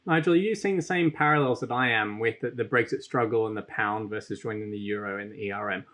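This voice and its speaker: A man's voice: fairly low pitch, fast, fairly bright tone. A man hosting an interview, putting questions and points to his guests in a conversational style. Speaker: interviewer, host.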